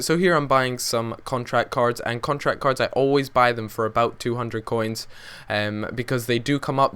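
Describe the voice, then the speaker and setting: A man talks over his gameplay in a loose, rambling way, full of ums and asides. He has a slight cough that makes him a touch croaky. His voice sits at an ordinary pitch and comes across smooth and clear. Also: fairly bright tone. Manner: chatty, rambling with fillers. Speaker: gaming commentator.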